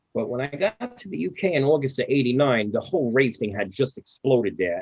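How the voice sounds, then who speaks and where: Fairly quick speech with a Brooklyn accent. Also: man. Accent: New York (Brooklyn). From Brooklyn, New York. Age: 50s. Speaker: DJ and producer. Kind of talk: casual interview chat.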